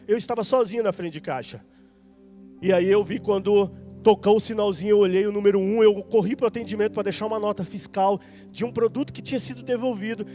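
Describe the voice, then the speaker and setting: A man with a Brazilian accent preaching in a church, telling a story in an animated, conversational way and talking directly to the congregation. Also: high-pitched. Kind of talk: storytelling sermon. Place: church hall.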